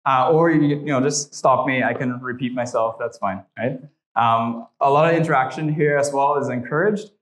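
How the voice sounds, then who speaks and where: A man's voice: mid-range voice, moderate pace, low-quality recording. Man with a Trinidadian accent teaching. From Trinidad and Tobago. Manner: conversational, frequent "uh" and "right?" tags. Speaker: church class teacher. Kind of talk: teaching a class with a spoken prayer.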